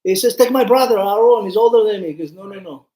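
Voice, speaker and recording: A male rabbi with a high, warm voice talks quickly while giving an informal Torah lesson full of stories. He chats conversationally, acts out dialogue, and puts questions to his listeners in an echoey room.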